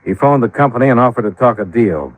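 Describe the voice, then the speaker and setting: An actor playing a cool, shrewd, laconic insurance investigator in 1950s radio detective style. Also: male voice, mid-range voice, lively intonation, quick pace, dry recording, natural voice. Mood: cool, guarded. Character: cool, wry, shrewd male insurance investigator narrating his case. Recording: dull lo-fi old radio recording.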